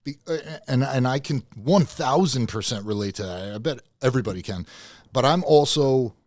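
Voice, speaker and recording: Loud, passionate man, podcast guest. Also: medium pitch, expressive, moderate pace, no echo. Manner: loud, passionate, profane, emphatic. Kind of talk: casual podcast chat.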